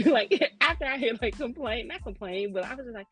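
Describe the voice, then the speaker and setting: Animated woman with African American English accent. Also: on the high side, fairly quick, breathy edge, soft background music. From Maryland, United States. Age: 30s. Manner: animated, slangy, joking. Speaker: podcast co-host, lactation consultant. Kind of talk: casual conversational storytelling.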